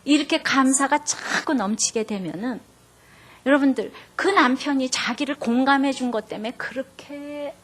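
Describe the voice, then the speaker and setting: A woman's voice: high voice, normal speed, fairly bright tone. A middle-aged woman pastor preaching a sermon, telling a story and acting out the voices of the people in it.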